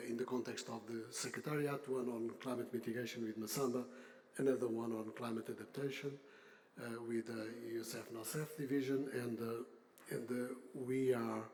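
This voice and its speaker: An older man, a chief executive, giving a semi-formal unscripted conference speech with halting, deliberate phrasing. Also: medium pitch, mellow, slight background noise. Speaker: industry association CEO, panel speaker.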